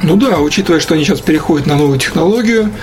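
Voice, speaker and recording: A man's voice: on the high side, lively intonation, rapid-fire, music in the background. A man talking casually about tech in a colloquial, slangy and opinionated way, as a guest in a conversation.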